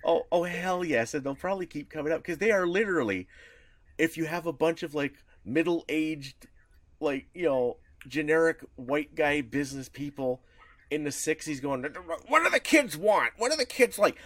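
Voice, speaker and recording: A man's voice: a little high, expressive, normal speed, no echo. A man co-hosting a podcast in casual chat, talking with enthusiasm and tripping over restarts as ideas pile up. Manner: enthusiastic, rambling with frequent restarts. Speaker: podcast co-host.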